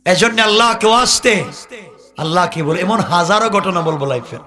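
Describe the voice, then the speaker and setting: A male preacher delivering a sermon, moving from quiet storytelling to shouted, sing-song climaxes. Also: high voice, animated, fairly quick. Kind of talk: Bengali waz sermon.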